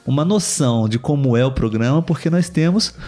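A man's voice: medium pitch, expressive, brisk, darkish tone. A man with a Brazilian Portuguese accent, hosting a podcast in a casual, chatty way with many fillers and asides to his co-host.

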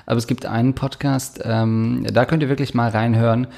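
A man's voice: mid-range voice, level tone, a little fast, vocal fry, warm tone. A man in casual comedy podcast banter, trading crude, teasing jokes with his co-host. He sounds loose and playful as he introduces listener questions and pokes fun at the topic.

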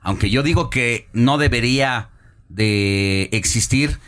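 A Mexican man hosts a live radio news program from a studio microphone. He delivers measured, opinionated commentary in an even, mid-pitched voice. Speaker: radio news host and columnist.

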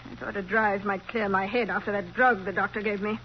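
An actress playing a bossy, fussy, penny-pinching wife in a 1940s radio crime drama. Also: female voice, mid-range voice, fairly even intonation, brisk, natural voice. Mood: matter-of-fact. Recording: dull, faintly noisy 1940s radio recording.

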